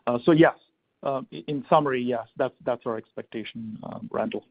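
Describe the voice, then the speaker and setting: A man speaking as a company executive on an earnings call, answering questions in a halting, measured business manner over a phone line. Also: medium pitch, no room sound. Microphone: telephone. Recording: thin telephone conference line.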